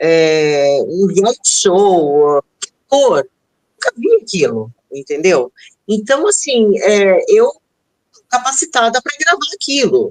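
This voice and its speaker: A woman speaks very slowly, the sound dry and close with no echo. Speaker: voice actor. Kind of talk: podcast interview answer.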